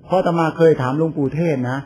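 A man's voice: fairly high pitch, fairly even intonation, fast, a little mellow, a little hiss or hum. An older man, a Buddhist monk, giving an informal sermon in a chatty storytelling way, acting out other people's lines as he goes. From Thailand. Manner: chatty storytelling with laughs and quoted voices.

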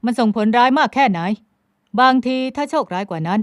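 A woman's voice: fairly high pitch, expressive, no room sound, clean studio sound, lightly acted. A woman voicing a stern young man in an audiobook, speaking firmly and evenly, like a lecturing teacher. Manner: firm and measured.

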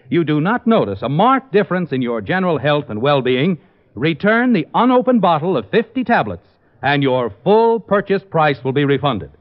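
An American man reading a scripted advertisement as a 1950s radio announcer. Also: on the high side. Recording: dull old radio recording.

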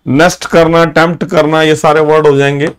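A man teaching English vocabulary in a live online class, moving between Hindi and English. He reads English examples slowly and praises students by name. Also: on the high side, flat delivery, smooth. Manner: switches between Hindi and English, with slow, drawn-out English example sentences; praises students by name and urges them to take notes.

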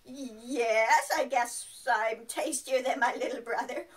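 Lady doing a middle billy goat in a puppet show, mild n hesitant, high, slow. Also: recorded from a distance. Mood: nervous.

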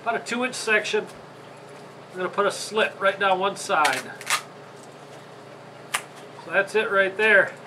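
A man's voice: high-pitched, noisy background. A man in his thirties with a Michigan accent and a congested, plugged-up voice, chatting casually as host of a fishing how-to video from an indoor tackle workshop. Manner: chatty, rambling, apologetic. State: congested from a sinus infection.

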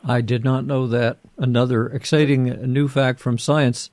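A man's voice: medium pitch, fairly even intonation, a little mellow, dry recording. Man hosting a radio show, dry studio sound. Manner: measured, curious questioning. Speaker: radio host. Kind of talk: radio interview.

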